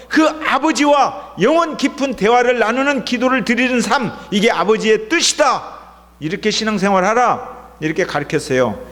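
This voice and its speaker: A man's voice: sits high, a bit bright. A male pastor delivering a Sunday sermon, asking the congregation questions as he preaches. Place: church sanctuary. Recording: long church hall reverb.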